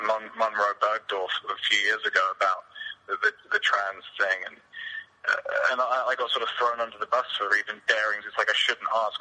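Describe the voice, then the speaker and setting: Over poor audio, an Englishman with a British accent speaks as a podcast guest in a candid, rambling interview. His voice is fairly low with a sharp tone, and he is outspoken, frequently restarting his thoughts.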